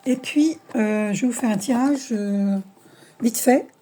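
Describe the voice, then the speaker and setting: A woman's voice: a little high, unhurried, dark tone, slightly rough. A woman hosting her own spiritual channel, talking casually to camera while she reads oracle cards, rambling and searching for words with many fillers. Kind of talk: casual spiritual monologue, card reading.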